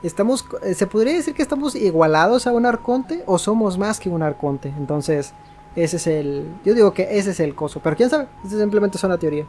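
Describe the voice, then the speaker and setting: A man's voice: high-pitched, lively intonation, quick pace, darkish tone, a little hiss or hum. A man giving casual let's-play commentary as a gaming YouTuber, a native Spanish speaker.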